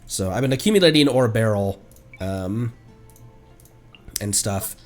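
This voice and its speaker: A man's voice: lowish voice, expressive, measured pace. A man livestreaming a video game with casual, rambling commentary, thinking aloud as he plays. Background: video game music.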